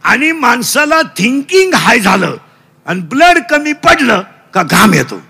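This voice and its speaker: A middle-aged man preaching a comic kirtan. He shouts questions to the children and mixes broken English into his lessons. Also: very high voice, sing-song, unhurried, gravelly, breathy edge. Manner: shouting call-and-response with children.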